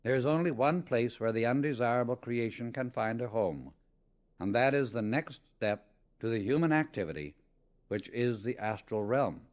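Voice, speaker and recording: A man with a mid-pitched voice narrates a spiritual teaching from a script. His delivery is solemn and deliberate, placing firm emphasis on key words as an audiobook reader would. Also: animated.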